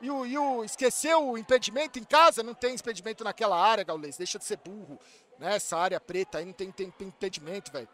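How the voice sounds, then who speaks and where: A man with a Brazilian Portuguese accent streaming a live football watch-along, excitable, shouting at the players and swearing, then talking to his chat in between. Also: high-pitched, fast talker. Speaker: streamer reacting to a football match.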